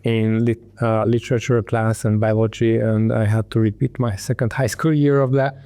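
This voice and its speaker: A man from Hungary in his thirties, a tech entrepreneur telling his story in an interview, halting with many ums and restarts. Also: on the low side, flat delivery, warm tone, clear, resonant tone, dry recording.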